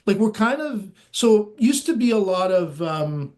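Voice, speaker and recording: Nasal high-voiced musician guest. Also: male voice, big pitch swings, measured pace, a little mellow. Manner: rambling, eager, many fillers. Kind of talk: casual interview chat.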